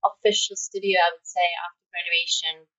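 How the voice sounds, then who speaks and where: A woman's voice: lowish voice, level tone, fairly quick, pushed and bright, far from the mic, highs cut off. A woman in her twenties from the Czech Republic, speaking English with a Czech accent, chatting casually in a podcast interview, with many fillers and frequent laughs. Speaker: guest, matte painter.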